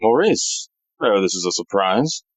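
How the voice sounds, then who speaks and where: An actor playing a wry, evasive, cornered jewel thief in an audio play, dry and guarded in manner. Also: male voice, on the low side, big pitch swings, unhurried. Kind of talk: stage-like audio drama acting.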